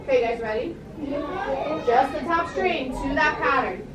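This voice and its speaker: A woman's voice: high voice, normal speed, distant mic, a loud crowd. A young woman teaching a music class to small children, firm and upbeat, praising and counting off steps. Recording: echoey classroom from afar with loud ukulele music.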